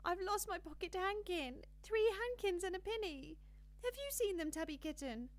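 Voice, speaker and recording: A woman's voice: extremely high pitch, expressive, normal speed, pitched above the performer's own voice. A woman voicing a curious, plaintive little girl in a storybook, with a childlike, pleading way of asking things. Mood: tearful, pleading.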